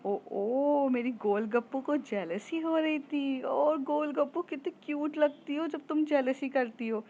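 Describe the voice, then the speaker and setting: A woman's voice: on the high side, measured pace, darkish tone, slight background noise. A woman voicing a playful young female friend who teases in a sing-song way, on a slightly muffled recording. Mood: teasing.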